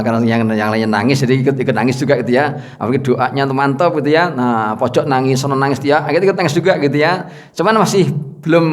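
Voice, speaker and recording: Chatty storytelling preacher man. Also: mid-range voice. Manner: casual, chatty, with many fillers. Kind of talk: storytelling sermon.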